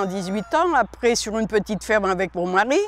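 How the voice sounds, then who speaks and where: Through noticeable background noise, a woman with a fairly high pitch talks at a fairly quick pace. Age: 80s+. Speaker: retired poultry farmer. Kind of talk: casual documentary interview.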